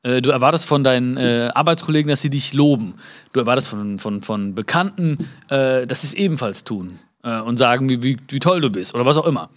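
A man giving a live motivational talk. He speaks to his listeners directly, acts out little dialogues and jumps high in pitch to stress a point. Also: brisk. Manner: many fillers and restarts, acts out small dialogues.

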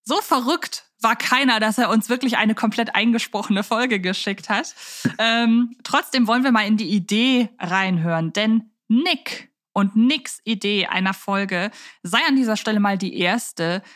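A woman's voice: fairly high pitch, unhurried, a bit bright. A woman hosting a podcast in a conversational style, speaking in an articulate, reflective way. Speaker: podcast host.

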